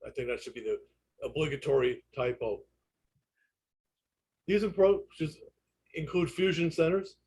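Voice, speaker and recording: A man with a Brooklyn accent lecturing online, explaining in a halting, self-correcting way. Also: on the high side, expressive, darkish tone, slightly rough. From United States, New York. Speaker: presenter, instructor in intelligence analysis. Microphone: internet call audio.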